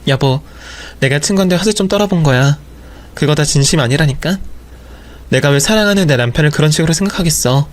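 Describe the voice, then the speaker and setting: A man's voice: fairly high pitch, animated, quick pace, lightly acted. A man playing a defensive young wife who stammers and pleads with her husband. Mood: pleading. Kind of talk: audio drama storytelling.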